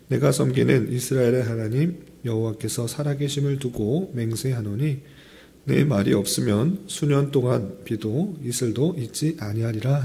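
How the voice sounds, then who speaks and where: Male pastor, hoarse with a cold, mellow and creaky. Formal, measured delivery for scripture reading and exposition. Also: medium pitch. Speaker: pastor leading a dawn prayer service.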